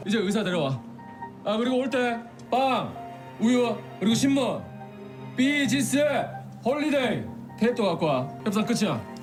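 Frantic, shouting male hostage taker, high-pitched. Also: big pitch swings, unhurried, exaggerated voice. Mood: menacing demands. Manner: frantic, shouted threats and demands. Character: desperate, furious male escaped convict holding hostages. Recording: dramatic music behind the voice.

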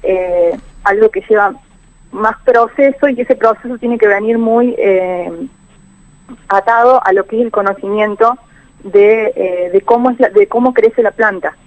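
A woman's voice: mid-range voice, measured pace. Hesitant woman on a phone line. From Argentina. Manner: hesitant, many fillers and restarts. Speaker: agronomist guest.

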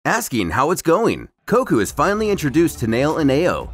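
A man's voice: fairly high pitch, wildly swooping pitch, moderate pace, faint music behind. A man narrating a scripted story recap as a host, in a storyteller's delivery.

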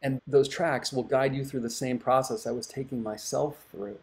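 A middle-aged man, a hypnotherapist, giving calm, reflective advice to viewers. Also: mid-range voice, moderate pace.

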